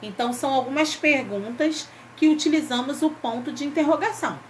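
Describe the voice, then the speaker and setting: Woman teacher, patient, higher voice, faint hiss behind; for a kids' lesson. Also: fairly quick. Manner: patient, checks in with "ok?" and "né?". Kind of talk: remote Portuguese lesson, reading a textbook exercise.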